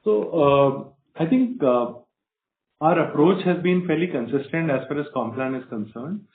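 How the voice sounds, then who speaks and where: A man answering questions as a company executive in a halting, measured corporate manner. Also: a little high, expressive. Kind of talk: earnings call answers. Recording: roomy, band-limited conference phone line.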